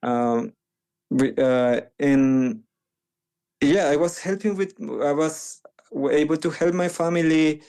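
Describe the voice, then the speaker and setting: Guest: young Panamanian man, slow and mellow, halting speech full of restarts, second-language speaker. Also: fairly high pitch, smooth. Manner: halting, many restarts and fillers. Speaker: guest, medical missionary. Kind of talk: conversational interview.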